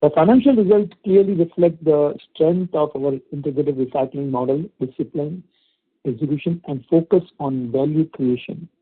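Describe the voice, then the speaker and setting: A man with an Indian accent, a company chairman, giving formal, measured prepared remarks on an earnings call over a phone line. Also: on the high side, slightly rough. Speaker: company chairman and managing director. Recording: muffled, phone-like conference line.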